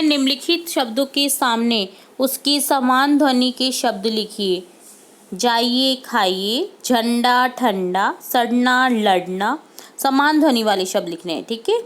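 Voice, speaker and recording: A woman teacher with a fairly high, slightly bright voice reviews worksheet answers with her class. She patiently says each word slowly more than once and mixes in some English words.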